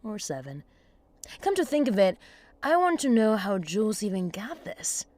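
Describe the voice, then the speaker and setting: An actress playing a scrappy, sweary woman engineer in an audio drama, muttering to herself in an animated, exasperated way. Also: medium pitch, moderate pace. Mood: musing, muttering.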